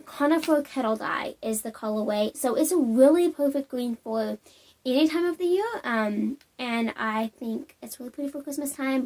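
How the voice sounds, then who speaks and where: A woman's voice: fairly high pitch, darkish tone. A young woman hosting a knitting podcast, chatting casually and bubbly to camera from home, with lots of "um"s and tangents.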